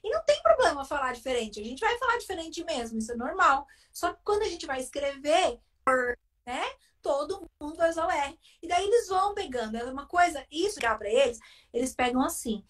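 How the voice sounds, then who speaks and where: A woman's voice: high-pitched, big pitch swings, fairly quick, distant mic. A Brazilian woman, a literacy specialist, explaining phonics on a live video chat, often tagging her sentences with "né?". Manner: explanatory, with frequent "né?" tags.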